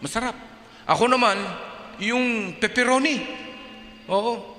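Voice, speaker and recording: Animated Filipino pastor in echoey hall. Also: male voice, extremely high pitch, slow. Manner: animated storyteller, acts out dialogue. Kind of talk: sermon storytelling. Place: church. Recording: echoey church hall with music.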